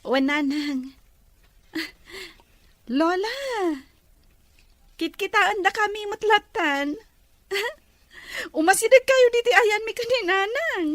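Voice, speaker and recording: A woman's voice: very high voice, expressive, slow pace, long pauses, a bit bright, no echo, exaggerated voice. A woman with an Ilocano accent playing a young, sweet and forgiving daughter in a sentimental drama. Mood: hopeful, affectionate. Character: young college-age daughter, wounded but sweet and forgiving. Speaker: voice actor in an audio drama. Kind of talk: sentimental radio-style drama acting.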